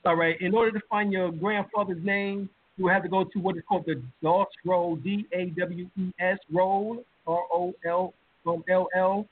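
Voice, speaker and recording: A man's voice: sits high, fairly even intonation, normal speed. A man hosting a live-stream lecture, talking casually with lots of fillers and building emphasis. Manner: emphatic, with many fillers and rising heat. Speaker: lecturer and show host. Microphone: video call. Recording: tinny phone-like line.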